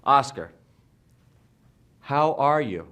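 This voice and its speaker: In a slow classroom drill, a U.S. male teacher guides his English students, deliberately repeating words for them. He speaks at medium pitch, sounding very animated and a bit bright.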